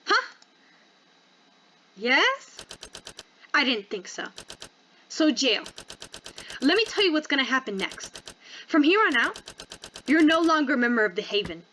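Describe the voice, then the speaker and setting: A woman's voice: high-pitched, very animated, unhurried, pauses often, bright, forceful tone, slight background noise, exaggerated voice. A woman voicing a big, smug female enforcer who taunts in a casual, swaggering way in a visual novel read-aloud. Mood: taunting. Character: tall powerful woman, smug jokey enforcer with a mean streak.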